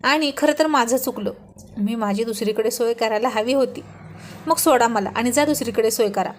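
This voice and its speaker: Playful teasing husband, woman reading it, kinda highish voice, bantering. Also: moderate pace, a little hiss or hum, close to an everyday voice. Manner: bantering, mock-stern. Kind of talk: storybook reading.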